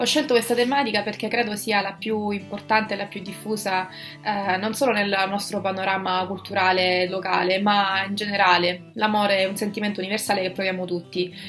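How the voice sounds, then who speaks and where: A woman's medium-pitched voice is heard as music plays in the background. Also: fairly even intonation, fairly quick pace. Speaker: presenter reading Sicilian proverbs. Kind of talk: casual talk to camera.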